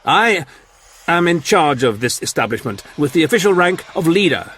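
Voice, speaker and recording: A man's voice: on the high side, very animated, moderate pace, a bit bright, slight background noise, voice pushed up. A man voicing a nervous but dignified male facility leader, earnest and insistent.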